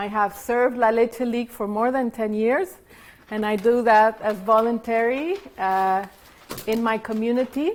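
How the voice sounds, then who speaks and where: A woman speaks at a fairly slow pace with a slight Mexican accent. Her pitch is fairly high and her intonation fairly even. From Mexico. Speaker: lactation consultant. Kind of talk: lecture.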